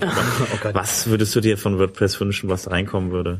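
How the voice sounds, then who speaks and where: Through noticeable background noise, a man speaks at a moderate pace with a fairly low pitch and fairly even intonation. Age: 30s. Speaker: podcast host. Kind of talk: interview. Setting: conference venue.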